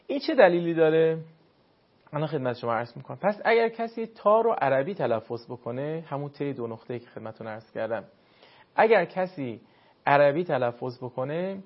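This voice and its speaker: A man teaching the pronunciation of Arabic letters for recitation, explaining patiently and slowing down to demonstrate each sound. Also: fairly high pitch, gravelly. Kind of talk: spoken pronunciation lesson. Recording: dull lo-fi sound.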